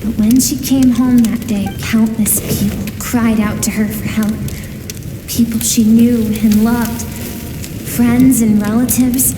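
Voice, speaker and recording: An actress playing a wistful storyteller in a video game, narrating in a measured, sorrowful way. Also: female voice, fairly high pitch, background noise. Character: wistful female storyteller recounting a tragic past. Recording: long echoing reverb with music.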